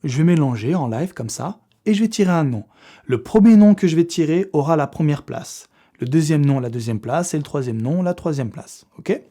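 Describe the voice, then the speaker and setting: Young male vlogger, mellow tone, casual, slangy delivery with swearing. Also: on the high side, animated, normal speed. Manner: slangy, swearing, chatty, laughs often. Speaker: fitness youtuber running a giveaway draw. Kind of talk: casual vlog talk to camera.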